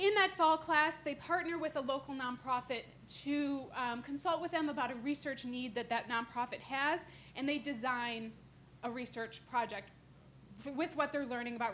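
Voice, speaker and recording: This woman's voice sits high in pitch. Her pitch varies in an ordinary way. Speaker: professor. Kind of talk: award presentation talk. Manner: fast.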